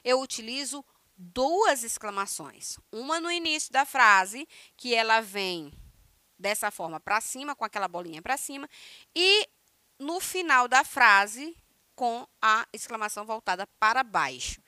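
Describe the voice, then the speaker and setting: A woman's voice: on the high side, expressive, measured pace, sharp tone, no echo. A woman with a Brazilian Portuguese accent teaching an online Spanish class, explaining step by step and checking in with her students. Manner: explanatory, keeps checking in with listeners.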